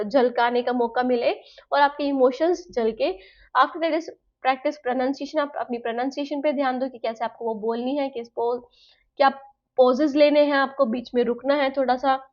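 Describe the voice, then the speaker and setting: A woman teaching a lesson to teacher-training students, explaining step by step in Hindi mixed with English terms. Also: sits high. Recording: slightly dull, lo-fi sound.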